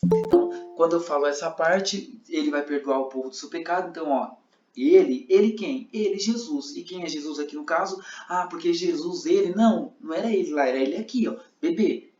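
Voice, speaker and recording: A man's voice: a little high, a little fast, darkish tone, faint music behind. Man teaching in a roomy, dull-sounding room. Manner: explains with many checks like "tá?" and demonstrates lines aloud. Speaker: sign language interpreting teacher. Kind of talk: teaching a class.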